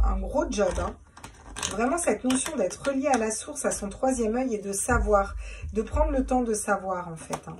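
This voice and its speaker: A woman's voice: fairly high pitch, a little mellow, far from the mic, slight background noise. A woman doing a casual tarot reading, chatty, repeating herself and laughing at her own jokes. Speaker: tarot reader.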